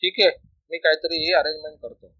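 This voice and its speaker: A man reading a calm young prisoner. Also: on the high side, a little fast, no room sound. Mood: reassuring. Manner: reassuring, earnest. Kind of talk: storybook reading. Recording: dull lo-fi recording.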